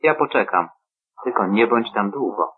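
A calm, reassuring angel posing as a young traveler, read by a man. His voice is low and husky, the delivery solemn and measured. It comes through thin and tinny, like a phone line. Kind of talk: scripture reading. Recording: tinny phone-like radio sound.

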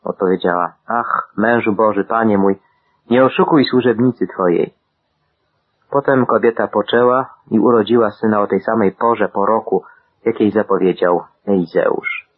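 A man giving a steady, measured Bible reading, voicing the quoted dialogue in the same even manner. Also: on the low side, breathy edge, narrow, tinny audio. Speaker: scripture reader.

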